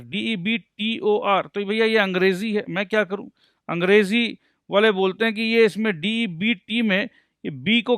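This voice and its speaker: High bright-voiced playful male teacher. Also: no echo, studio quality. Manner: playful, mixes Hindi and English, jokes to explain; asks and answers students' questions himself. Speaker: accountancy teacher. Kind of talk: recorded lecture.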